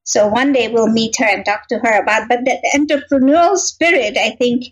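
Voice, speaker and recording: A woman's voice: a little high, brisk, rough recording. A middle-aged woman from Kenya, a guest in an interview, telling family stories in a reflective way, often saying "you know" and laughing lightly. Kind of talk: personal storytelling in an interview.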